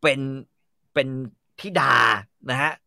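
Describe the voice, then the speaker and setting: A man telling a story in a casual chat, animated and full of crude slang, acting out bits of dialogue. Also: slow pace, no room sound, clean studio sound. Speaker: storyteller host.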